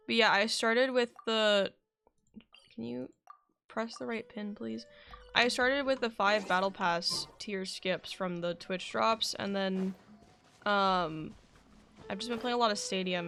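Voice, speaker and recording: Creaky-voiced young woman streaming a game. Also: medium pitch, a bit bright. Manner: rambling, thinking aloud. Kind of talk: casual live gameplay commentary. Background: game music.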